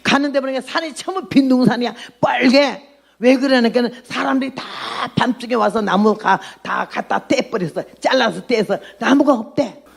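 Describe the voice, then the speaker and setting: An elderly woman in her nineties preaches with blunt, outspoken energy, mixing testimony into her sermon and pausing to quiz her listeners. Her voice is gravelly and rough. She laughs at her own bold remarks as she goes. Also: on the high side. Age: 90s. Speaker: missionary preacher.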